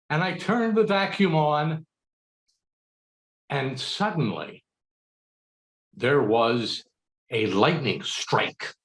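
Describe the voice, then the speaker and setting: A middle-aged American man performs a comic speech with mock-earnest drama. His pitch swings widely and he leaves theatrical pauses. The sound is a roomy video call with clear echo. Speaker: speech contest speaker. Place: book-lined room at home.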